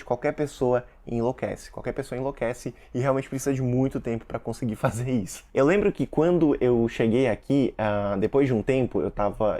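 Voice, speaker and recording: A man's voice: mid-range voice, warm tone. Russian-born guy vlogging, chatty, explains stuff with lots of examples, normal mid voice. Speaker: Russian teacher and content creator. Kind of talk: casual explanatory vlog.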